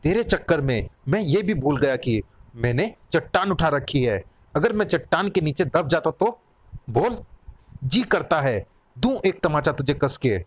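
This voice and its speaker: A man voicing a gruff, hot-tempered man of the wolf clan who bosses and threatens. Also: a little high, very animated, a little slow. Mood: angry.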